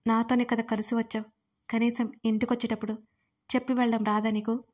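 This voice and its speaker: A furious young husband who shouts and accuses in a high, level voice. A woman storyteller reads his lines in her own voice. It is a spoken audio story. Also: little pitch movement, a little fast, close to an everyday voice. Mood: angry. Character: gruff angry young husband.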